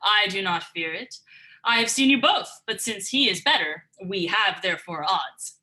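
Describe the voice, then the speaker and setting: A woman's voice: mid-range voice, expressive, normal speed, bright, forceful tone, rough recording. A woman playing a commanding, ceremonious, scheming king in a dramatic reading of Shakespearean verse. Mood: courtly.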